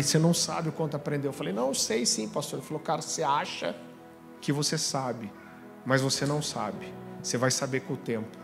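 A young adult man from Brazil preaching a sermon, telling a story in a lively, slangy way with asides to the crowd. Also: fairly high pitch. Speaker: pastor. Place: church hall. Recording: music under voice in a reverberant hall.

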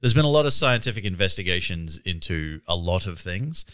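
A man's voice: low-pitched, animated, fairly quick, a bit bright, smooth, dry recording, clean studio sound. A man co-hosting a podcast, teasing dryly and laughing often. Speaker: podcast co-host. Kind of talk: casual chat.

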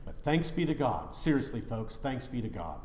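A male pastor delivers an animated sermon in a church sanctuary, and every phrase rings with a roomy, cathedral-like echo. His pitch rises and falls widely as he moves from ringing declarations to hushed asides. His voice sits in an ordinary middle range for a man. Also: moderate pace, slight background noise. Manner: animated, emphatic preaching with sudden drops to quiet.

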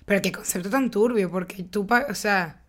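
A woman's voice: medium pitch, a bit bright. A woman with a Venezuelan accent co-hosting a podcast, playful and teasing in casual chat. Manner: playful, teasing, quick to mock. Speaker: podcast co-host.

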